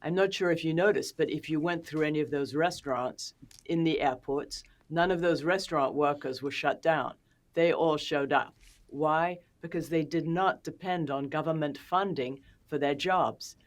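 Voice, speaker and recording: A woman speaking as a policy expert in an interview, explaining methodically with questions and plain examples. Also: low-pitched.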